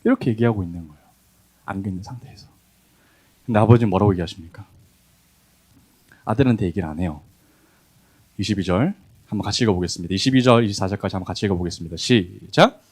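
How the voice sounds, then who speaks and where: A man preaching a sermon, acting out the quoted voices with animated emphasis. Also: on the low side, quick pace, long pauses, husky. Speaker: pastor.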